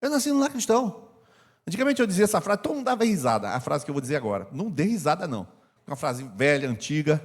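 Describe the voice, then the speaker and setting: Older man, Brazilian accent, high-pitched pastor, conversational sermon, reverberant church hall. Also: big pitch swings, fast. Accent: Brazilian Portuguese. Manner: conversational preaching, repeating phrases for emphasis.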